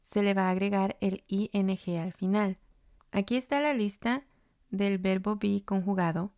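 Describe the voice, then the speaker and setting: Slow, patient woman teacher. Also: medium pitch, darkish tone, clear, resonant tone, no echo, studio quality. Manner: patient, deliberate, repeats each example slowly. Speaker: English teacher. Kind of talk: instructional explanation.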